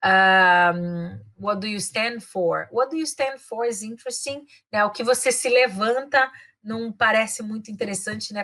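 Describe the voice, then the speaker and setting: A Brazilian woman teaches English in a relaxed, talkative way, mixing English phrases into her Portuguese. Her voice sits at a middle pitch, and she keeps checking in with her listeners through short tag questions. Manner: chatty, switches often into English, frequent tag questions. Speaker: English and career coach. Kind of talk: casual online English lesson.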